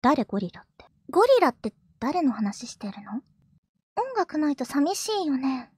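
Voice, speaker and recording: A woman streamer voicing a clingy, possessive yandere little sister, sweet and doting but turning jealous and menacing, sometimes dropping to a hushed whisper. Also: high voice, very animated, moderate pace, no echo, studio quality. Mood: suspicious, jealous, then pouty, needling. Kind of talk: live-stream character role-play, reacting to chat.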